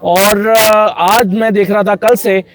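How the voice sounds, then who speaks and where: A man's voice: high-pitched, little pitch movement, slow, noisy background. A man with a Pakistani accent giving conversational political analysis as a journalist, repeating phrases for emphasis.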